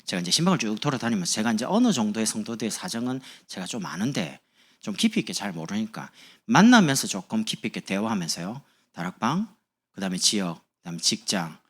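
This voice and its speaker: A man's voice: fairly low pitch, fairly bright tone, slightly rough. A man preaching as a pastor, speaking in a chatty, humorous sermon to his congregation in a church. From Busan, South Korea. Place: church sanctuary.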